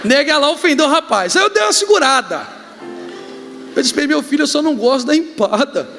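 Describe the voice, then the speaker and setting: A man with a Brazilian accent, a pastor preaching a sermon, joking and telling stories with sudden shouts. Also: very high-pitched, fast, vocal fry, soft background music. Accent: Brazilian Portuguese. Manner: joking, animated storytelling with shouts. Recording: reverberant hall, faint ambience.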